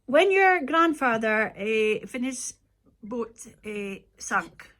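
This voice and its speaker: Woman, Doric north-east Scottish accent, fairly high voice, informal interviewer, chatty, encouraging. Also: big pitch swings, slow pace, a bit bright. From north-east Scotland. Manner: chatty, encouraging, often repeating and affirming.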